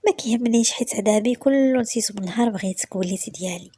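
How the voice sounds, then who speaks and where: A woman voicing a devoted young husband who pleads with his wife, with a Moroccan accent and a soft, hushed delivery. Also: a little high, rapid-fire, breathy edge, dry recording. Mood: tender.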